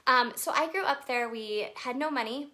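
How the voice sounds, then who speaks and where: A woman's voice: sits high, moderate pace, bright, forceful tone. A young woman from Texas telling her life story on a casual live video, chatty and full of fillers, greeting viewers as they join. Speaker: makeup brand artist hosting a live video.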